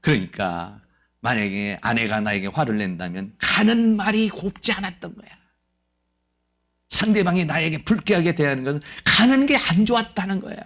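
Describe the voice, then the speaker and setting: A man preaching a sermon as pastor of a church, lively and playful, acting out quoted voices. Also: a little high, moderate pace. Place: church sanctuary.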